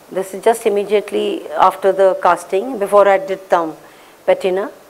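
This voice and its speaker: A woman's medium-pitched voice moves at a fairly slow pace with ordinary pitch variation, heard through noticeable background noise. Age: 60s. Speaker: sculptor. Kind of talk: lecture.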